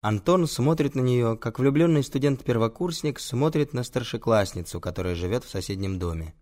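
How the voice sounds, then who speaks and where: Brief: male reader, mid pitch, lively intonation, sardonic first-person narration. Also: normal speed. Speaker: audiobook narrator.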